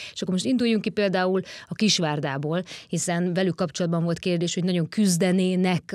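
A woman with an unremarkable speaking voice and a fairly low pitch talks at a fairly quick pace with fairly even intonation, the sound dry and close with no echo. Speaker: sports podcast host. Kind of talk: casual chat.

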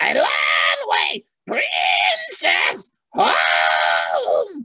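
A man shouts in a put-on character voice. It sounds croaky and raspy. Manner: croaking at the top of his voice.

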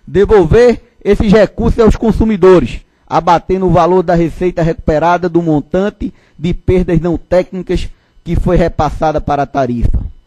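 At a moderate pace, a man speaks in a high voice with a dark, mellow tone and ordinary pitch variation. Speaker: federal congressman. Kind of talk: formal speech. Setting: public hearing podium.

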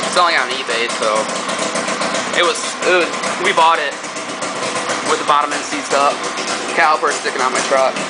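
Moderate-paced speech over loud background noise. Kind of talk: casual vlog chat. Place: garage. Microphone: phone near.

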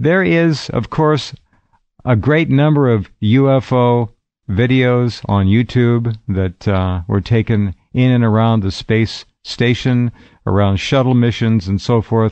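A man talks at a very slow pace with medium pitch. His loudness stays very even, and his pitch variation is ordinary. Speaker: radio talk show host. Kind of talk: radio interview.

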